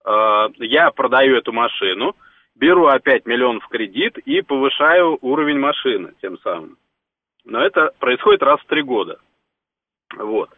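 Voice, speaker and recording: A man calling in to a radio show, explaining at length and pausing while he searches for words. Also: mid-range voice, lively intonation, dry recording. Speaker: caller. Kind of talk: phone call to a radio show. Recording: tinny phone line.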